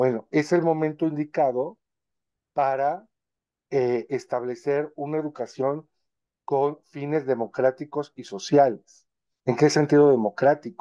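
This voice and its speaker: A man with a central Mexican accent and a fairly high pitch, his tone dark and mellow, intonation fairly even, at a fairly slow pace with long, frequent pauses against a quiet background. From Mexico City. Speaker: historian and professor; guest. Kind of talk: interview on education. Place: home room. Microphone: video call.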